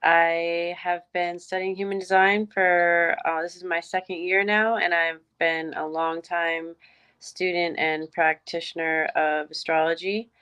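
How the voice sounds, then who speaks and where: A woman's voice: on the low side, a bit bright, smooth. A woman from Miami introducing herself briefly and in a friendly way on a group video call. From Miami, Florida. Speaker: call participant.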